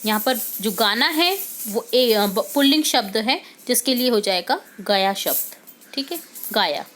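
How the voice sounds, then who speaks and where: A woman teacher with a somewhat high voice goes through a workbook answer by answer. She explains patiently, step by step, and keeps checking in with her students as she moves from one item to the next. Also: lively intonation, a little slow, fairly bright tone. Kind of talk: worksheet solution lesson.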